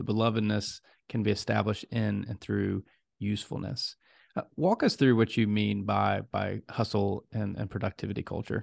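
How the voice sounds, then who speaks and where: Speaking at a moderate pace with an American accent, a man uses a fairly low pitch, vocal fry and fairly even intonation. The background is quiet. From US East Coast, Bible Belt. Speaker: podcast host. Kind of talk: interview.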